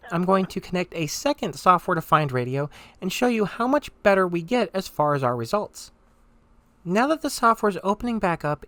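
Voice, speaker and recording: A mid-range voice with no echo guides viewers through software one step after another. The presenter sounds conversational while teaching.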